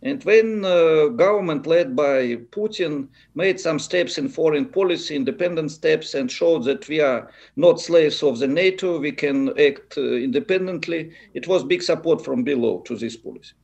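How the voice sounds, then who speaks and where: A man with a Russian accent answers as an interviewee. His voice sits a little high for a man and has a gravelly creak. He is a non-native speaker who searches for words while laying out political analysis. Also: moderate pace, few pauses, a little mellow, muffled recording.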